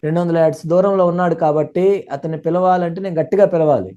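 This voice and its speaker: Rapid, dark-toned male interpreter. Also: fairly high pitch, fairly even intonation, highs cut off. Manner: rapid, fluent, running sentences together. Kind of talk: live sermon interpretation.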